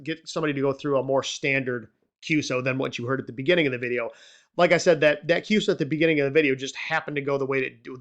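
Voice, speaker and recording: A man's voice: fairly high pitch, a bit bright. A man talking as an instructor in a casual, unscripted tutorial, reassuring and conversational, often checking in with the listener. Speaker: amateur radio instructor and video host.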